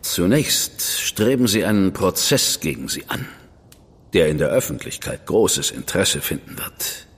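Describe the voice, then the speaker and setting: A man's voice: low voice, sing-song, measured pace, fairly bright tone, slightly rough, in a large hall, heavily acted. An actor playing a stern, powerful government man in a radio drama, speaking in a curt, cool and commanding manner. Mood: stern, warning. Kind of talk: German studio radio drama acting.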